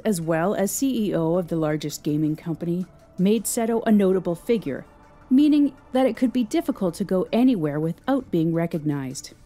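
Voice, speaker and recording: A woman's voice: fairly low pitch, warm tone. A woman narrating a scripted story as the narrator of an audio drama.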